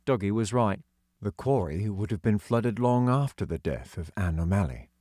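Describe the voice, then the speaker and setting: A man's voice: fairly low pitch, lively intonation, moderate pace, mellow, dry recording, studio quality. A man reading scripted story narration as an audiobook narrator.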